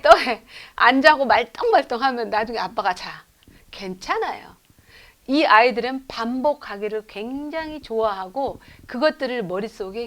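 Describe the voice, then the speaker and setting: Middle-aged woman lecturing with lively stories. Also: on the high side. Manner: lively storytelling with rhetorical questions to the audience; acts out children's lines in quotes. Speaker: professor lecturing at a lay school. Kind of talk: church education lecture.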